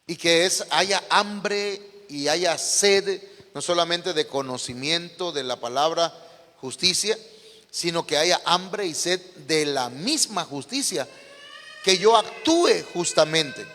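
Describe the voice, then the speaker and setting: A man preaches a sermon, his voice bright and a little high for a man. He tells everyday stories and keeps asking his congregation questions. The sound rings out with the long reverb of a church hall. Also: animated, takes it slowly. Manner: storytelling with rhetorical questions to the congregation. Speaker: pastor.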